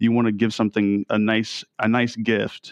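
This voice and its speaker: With fairly even intonation and medium pitch, a man talks in a normal speaking voice. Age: 20s. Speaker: illustrator. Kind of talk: casual chat.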